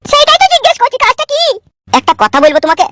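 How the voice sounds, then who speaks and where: A woman voicing a fussy young wife in a cartoon, shrill and nagging with endless questions. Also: big pitch swings, very fast, sharp tone, a little hiss or hum, exaggerated voice. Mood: curious. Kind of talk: cartoon voice acting.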